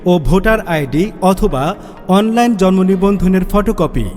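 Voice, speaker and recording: A man reading a street loudspeaker advertisement in a loud, declamatory announcing manner. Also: sits high, lively intonation, normal speed. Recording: long reverb with music bed. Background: music.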